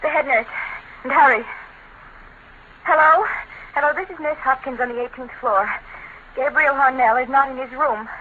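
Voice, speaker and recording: An actress playing an anxious hospital nurse in a 1940s radio drama, flustered and urgent. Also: female voice, sits high, moderate pace, pauses often, background noise, natural voice. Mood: alarmed. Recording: muffled 1940s radio broadcast.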